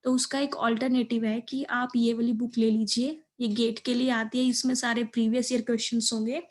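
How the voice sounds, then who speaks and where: Young woman, Indian accent, high voice, very level intonation, informal study-advice presenter, explanatory. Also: level tone, a little fast. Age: young adult. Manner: explanatory, mixes in English terms. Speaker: exam preparation video presenter.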